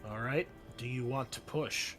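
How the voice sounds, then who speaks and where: A man's voice: mid-range voice, moderate pace, over music. A man running an online tabletop roleplaying game, explaining things in a casual way. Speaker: game master.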